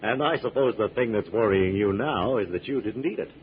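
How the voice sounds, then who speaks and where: An actor playing a calm, gallant scientist crime-fighter with a measured, gently teasing manner in a 1940s radio drama. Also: male voice, lowish voice, natural voice. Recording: muffled old radio recording, faint hiss.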